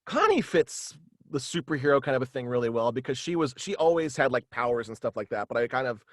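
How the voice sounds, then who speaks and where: Halting man with a dry, close sound. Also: mid-range voice, big pitch swings, no echo. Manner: halting, meandering explanations. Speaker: guest, voice actor and writer. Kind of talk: casual interview, explaining his own story. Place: small indoor home setup, video call.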